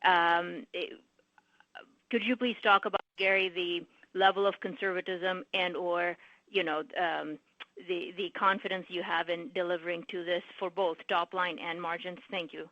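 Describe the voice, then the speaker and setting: A woman asking questions as a financial analyst on an earnings call, halting and stammering over her phrasing. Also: fairly low pitch, steady tone, a bit bright, no room sound. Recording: dull, band-limited phone-in audio.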